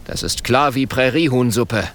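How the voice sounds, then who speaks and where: A man's voice: mid-range voice, normal speed, a bit bright, lightly acted. A man voicing a stern, proud old tribal chief who speaks in clipped, broken sentences.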